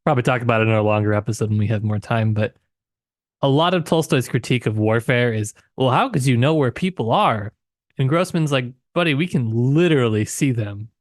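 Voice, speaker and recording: A man's voice: medium pitch, a little fast, no echo, clean studio sound. A man co-hosting a podcast, talking casually about a book and thinking aloud in an informal way. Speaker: podcast co-host.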